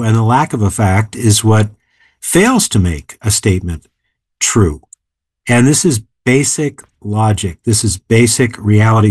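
A man in his seventies, an author and philosopher, explaining ideas in a measured, emphatic way during an interview. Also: lowish voice, dry recording. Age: 70s. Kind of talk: interview conversation.

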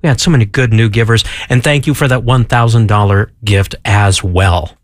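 Man, radio co-host, brisk, upbeat, reading donor names, dry studio sound. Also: on the low side, steady tone, no room sound. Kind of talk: reading listener gifts on air. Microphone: studio microphone.

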